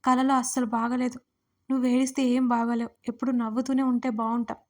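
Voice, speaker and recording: A woman voicing a caring young man who gently teases and pleads with a friend in an audio story. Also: extremely high pitch, completely flat delivery, fast. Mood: gentle teasing. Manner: pleading, soothing.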